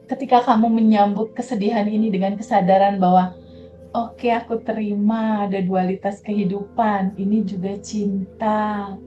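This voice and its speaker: Soft-spoken woman coach, higher voice. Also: muffled recording. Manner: soft, slow, reflective, repeats words for emphasis. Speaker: guest coach on emotional release. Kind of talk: conversational interview.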